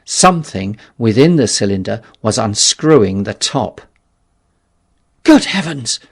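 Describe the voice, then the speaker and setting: A man narrating a literary audiobook in a measured, dramatic storytelling manner. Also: on the low side, lively intonation, creaky.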